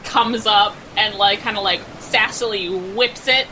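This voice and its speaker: A woman with a mid-pitched voice talks as a player in a tabletop roleplaying game. She is informal and slangy, and there is clear ambient noise behind her. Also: fairly even intonation, unhurried, pushed and bright, low-quality recording. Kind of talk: casual roleplaying game chat.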